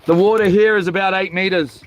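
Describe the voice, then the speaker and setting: A man with a notably high-pitched voice and a broad New Zealand accent talks in a loose, rambling way. He sounds like a casual livestream host, hesitant and informal. The recording is outdoors on a boat, with faint water and boat noise behind him. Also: steady tone, fairly quick, muffled recording. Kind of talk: casual live vlog chat. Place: outdoors on a small boat at sea.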